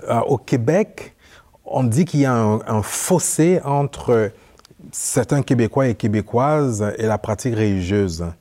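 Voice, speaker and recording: A man's voice: medium pitch, unhurried. A young man from Quebec, a newly ordained priest, telling anecdotes in a casual interview and acting out the dialogue. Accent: Quebec French. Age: young adult. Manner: animated, acts out dialogue in anecdotes. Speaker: priest guest.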